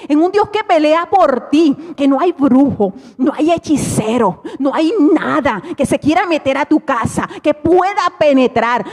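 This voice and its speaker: A middle-aged woman pastor, preaching a fervent sermon that swells to shouting. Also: sits high, long reverb tail. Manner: impassioned preaching, rising to shouts.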